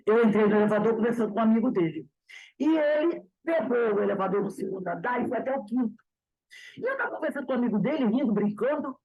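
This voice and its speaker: A woman's voice: mid-range voice, husky, rough recording. A woman with a Brazilian accent leading a spiritist study class, telling a story and acting out both sides of the dialogue. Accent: Brazilian Portuguese. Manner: animated, retells dialogues with repetition. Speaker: spiritist study group teacher. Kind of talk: casual class talk with storytelling.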